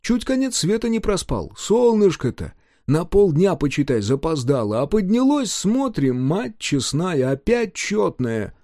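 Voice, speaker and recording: A man voicing an excitable, curious peasant woodcarver in a storybook, talking loudly in a raised voice. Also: a little slow, dry recording, clean studio sound, exaggerated voice. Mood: excited. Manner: loud, excited, high-pitched.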